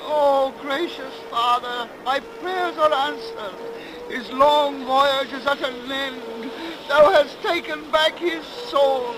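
Shrill, devout old comrade. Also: male voice. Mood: fervent. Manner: solemn, declamatory, drawn-out. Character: devout old comrade of a cursed sea captain. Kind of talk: 1930s radio acting. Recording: noisy 1930s radio broadcast recording.

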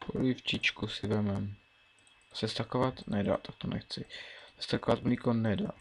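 Keyboard and mouse clicks fill the background as a late-teen guy plays and talks through it in a relaxed Let's Play. He mumbles and thinks out loud in a lowish, steady voice.

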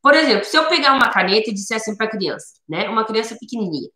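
Bright-voiced woman teaching in an echoey room. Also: on the high side, very animated, fast talker. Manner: explanatory, repeats points with many "né?" tags. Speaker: Pilates instructor teaching other teachers. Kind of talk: instructional talk.

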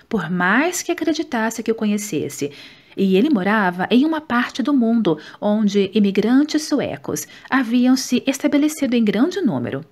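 A woman with a Brazilian Portuguese accent, reading a nonfiction book aloud in a steady, measured way. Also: fairly high pitch. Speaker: audiobook reader. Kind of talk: scripted audiobook narration.

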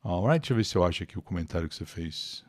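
A man's voice: low-pitched, lively intonation, rapid-fire, no room sound, studio quality. An older man with a Brazilian Portuguese accent teaches an English lesson live, explaining words and answering viewers in the chat by name.

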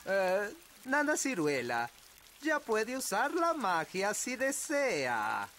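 A man's voice: high-pitched, wildly swooping pitch, slow pace, bright, forceful tone, faint music behind, heavily acted. A man voicing a fussy, learned old elf teacher in a Latin American Spanish cartoon dub, with a pompous manner. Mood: flustered, impatient. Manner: pompous, schoolmasterly.

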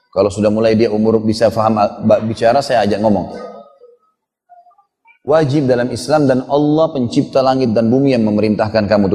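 A middle-aged man preaching a sermon, telling stories about his children in an earnest, fatherly way. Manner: storytelling, earnest and fatherly, lively in pitch. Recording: long hall reverb.

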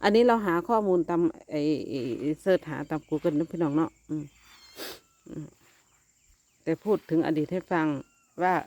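A woman, chatting casually outdoors in front of her house while feeding stray cats, coaxing them in a high voice now and then. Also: animated, moderate pace, long pauses, warm tone, dry recording. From Thailand. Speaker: vlogger.

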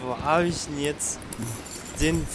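An actor playing a chummy, tipsy football fan in a German crime audio drama, slangy and halting. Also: male voice, a little high, steady tone, a little hiss or hum. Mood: chummy, elated.

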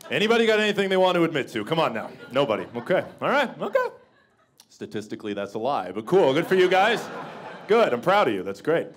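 Working a small club's seated crowd with a handheld microphone, this Canadian comic in his thirties talks fast in a deep voice with big pitch swings. His humor is wry and self-deprecating, punctuated by spells of mock bluster.

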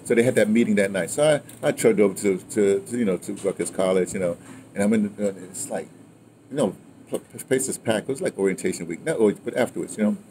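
Recounting his radio history as a guest, an American man in his sixties talks fast in a lowish voice. His casual storytelling is animated, wandering and full of digressions, with phrases often closing on "right?" or "you know." Clear ambient sound fills the outdoor spot by a house with a wooden awning.

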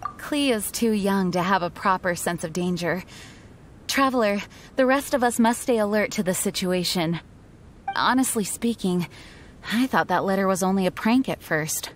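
A woman voicing a composed, dutiful young knight commander in a video game, speaking in a measured, formal, serious manner. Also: mid-range voice, a little hiss or hum, lightly acted. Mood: cautious, serious.

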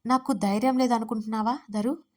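A woman's voice: fairly high pitch, fairly even intonation, a little fast, darkish tone, close to an everyday voice. An earnest young man pleading his love, as a woman narrator reads him. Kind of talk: audio story dialogue.

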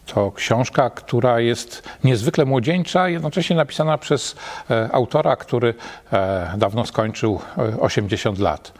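Thoughtful man in an empty lecture hall. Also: medium pitch. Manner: measured, thoughtful, pausing often with hesitations. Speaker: literary scholar. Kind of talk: reflective spoken commentary.

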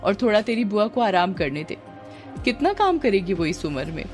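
A woman's voice: medium pitch, very animated, normal speed, darkish tone, faint music behind, lightly acted. A woman narrator voicing a scheming middle-aged aunt who talks in a coaxing, insistent way. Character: scheming aunt pushing her daughter.

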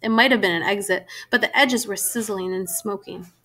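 A woman narrating a novel in the first person, steady and vivid. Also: mid-range voice, normal speed. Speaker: audiobook narrator.

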